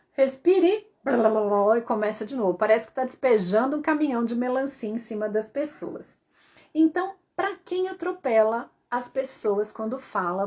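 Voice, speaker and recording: A woman voice coach giving a lively live-stream lesson, asking her viewers rhetorical questions. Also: a little high.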